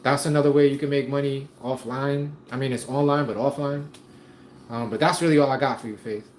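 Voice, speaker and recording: Here a man runs a casual home livestream, going through viewer comments with easygoing slang and plenty of chuckles. He speaks a little fast in a steady, mid-range voice, and the streaming setup records an echoey room with faint noise.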